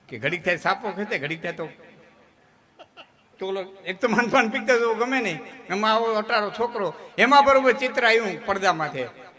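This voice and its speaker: Pitched high, his voice sounds pushed and bright as he tells humorous folk stories live on stage. The man, a folk storyteller with a Kathiawadi Gujarati accent, is chatty and jokey, often checking on his listeners, with crowd noise from the audience audible.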